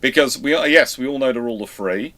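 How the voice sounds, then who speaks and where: Man, British, live stream host, casual chat, mid-pitched voice, animated teasing bursts. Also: brisk. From Britain. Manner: animated, teasing, swings to loud high emphasis.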